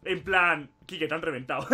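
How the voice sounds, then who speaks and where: A young man from Spain with a Spain Spanish accent, telling stories in excitable, slangy casual gaming commentary. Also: high-pitched. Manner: excitable storyteller, laughs often, slangy. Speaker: gaming YouTuber.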